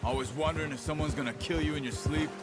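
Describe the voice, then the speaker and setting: An actor playing a wary, self-reliant Western outlaw tracker in a video game, terse and plain-spoken, with an American accent. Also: male voice, a little high, steady tone, fast talker, lightly acted. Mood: frank, reflective. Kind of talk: video game character dialogue. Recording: loud music behind the voice. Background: loud game music.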